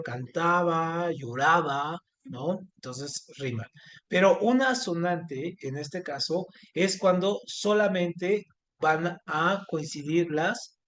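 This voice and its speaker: A man teaching an online class, speaking haltingly with many fillers and restarts. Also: fairly high pitch, fairly bright tone. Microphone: video call.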